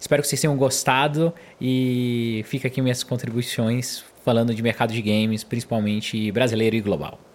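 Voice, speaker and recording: A man speaks at a moderate pace with hardly any pauses, in a medium pitch and fairly even intonation. It is an ordinary speaking voice. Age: 30s. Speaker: games studio executive. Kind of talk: interview.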